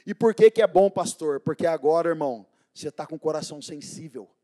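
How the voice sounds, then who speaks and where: A pastor preaching a sermon in a loud, animated, slangy way, dropping to low murmurs and laughing at his own stories. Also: fairly quick.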